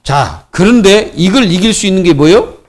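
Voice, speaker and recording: A middle-aged man preaching from the pulpit, his voice sitting a little high for a man and leaping up and down in pitch. He talks in an animated, questioning way, keeping his congregation engaged as he builds each point. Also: moderate pace. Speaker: pastor. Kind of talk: sermon.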